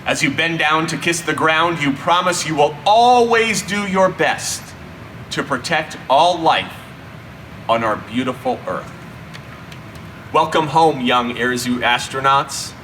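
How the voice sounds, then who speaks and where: A man narrating a children's story expressively, with dramatic, drawn-out emphasis and deliberate pauses. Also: on the high side, lively intonation, pushed and bright. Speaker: storyteller reading a children's book. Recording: distant mic, faint background hum.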